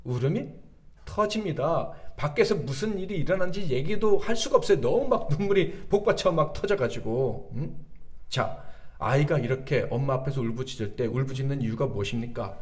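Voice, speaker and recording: Male pastor of medium pitch, preaching a lively sermon and pressing the congregation with questions. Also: normal speed. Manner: lively, rhetorical questions to the congregation, calls for amen. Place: church sanctuary.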